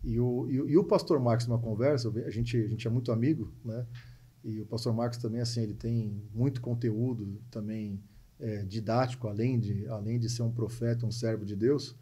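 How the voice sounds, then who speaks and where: A Brazilian man in his forties with a São Paulo coastal accent talks as a podcast guest. His voice is mid-pitched, soft-edged and husky. He tells his story conversationally, doubling words for emphasis and tagging phrases for agreement. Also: fairly even intonation, brisk. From Santos, coastal São Paulo, Brazil. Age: 40s. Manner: emphatic repetitions and frequent tag questions seeking agreement. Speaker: podcast guest, entrepreneur and speaker.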